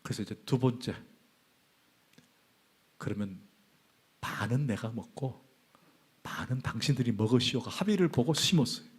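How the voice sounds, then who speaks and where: A middle-aged male pastor preaching a sermon, telling an animated story and acting out the quoted dialogue. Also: mid-range voice, normal speed, pauses often, breathy edge.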